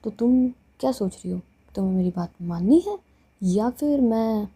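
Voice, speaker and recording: A woman's voice: mid-range voice, lively intonation, normal speed, warm tone, husky. A woman voicing a bossy, possessive young woman who teases and gives orders, in a storybook reading. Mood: commanding. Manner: teasing, commanding.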